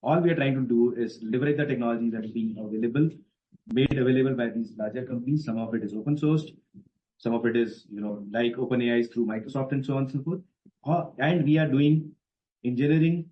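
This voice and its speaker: An Indian-accented man with a mid-pitched voice answers as a senior executive. He explains in an emphatic, assertive way, off the cuff. The sound is dull and band-limited, like a conference line. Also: fast, slight background noise. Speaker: company executive on an earnings call. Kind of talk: spontaneous explanatory answers to analysts.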